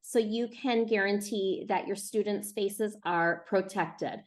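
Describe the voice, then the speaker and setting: A woman's voice: mid-range voice, slow pace. A woman hosting a live online book event as a publisher, giving instructions to children and teachers. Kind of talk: addressing classrooms on a live call. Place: live video call.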